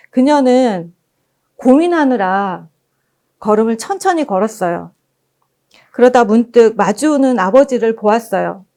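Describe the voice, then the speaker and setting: A woman presenting at a book forum who reads passages aloud as gentle storytelling. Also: fairly high pitch. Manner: gentle storytelling, acting out quoted lines.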